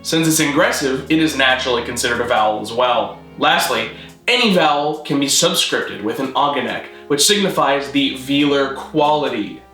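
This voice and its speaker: A man hosting an educational video, narrating a scripted mock-academic lecture in a deadpan, didactic way. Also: mid-range voice, normal speed, echoey room, soft background music. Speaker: host, video essayist on constructed languages.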